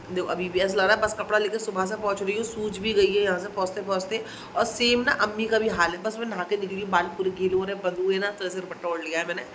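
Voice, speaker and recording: A woman's voice: mid-range voice, fairly even intonation, quick pace, a bit bright, a little hiss or hum, low-quality recording. Chatty woman vlogger with a stuffy cold. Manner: chatty, talks straight to her viewers as friends. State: stuffy, runny nose from a heavy cold. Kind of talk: casual daily vlog chat.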